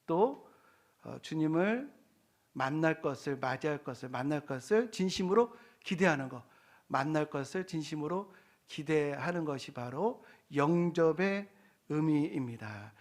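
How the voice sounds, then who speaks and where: A man's voice: on the high side, lively intonation, unhurried. Earnest middle-aged male pastor preaching. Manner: earnest, posing rhetorical questions to the congregation. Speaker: senior pastor. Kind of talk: sermon.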